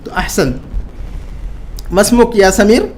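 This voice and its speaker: A man's voice: high-pitched, a little mellow. A man teaching an Arabic class to Urdu speakers, drilling words by repetition and stressing careful pronunciation. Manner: repeats phrases slowly and stresses pronunciation.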